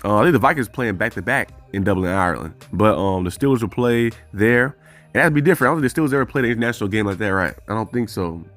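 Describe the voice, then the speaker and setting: A man's voice: lowish voice, lively intonation, fast talker, fairly bright tone, faint music behind. A man hosting a fan channel, talking through team news in a loose, rambling way and correcting himself as he goes. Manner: rambling, thinks aloud, self-correcting. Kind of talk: casual solo sports commentary.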